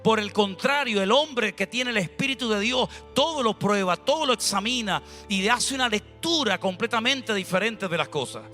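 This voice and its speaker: A man from Spain with a Spanish accent, a pastor preaching a sermon in a lively, colloquial way, acting out little dialogues from everyday church life. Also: high-pitched, normal speed, hardly any pauses, soft background music.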